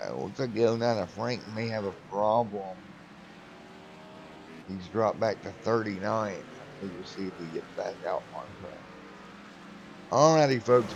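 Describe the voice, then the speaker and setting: A man's voice: medium pitch, slight background noise, low-quality recording. A man doing folksy play-by-play commentary for a simulated car race, putting "Mister" before the drivers' names. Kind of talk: sim racing play-by-play commentary.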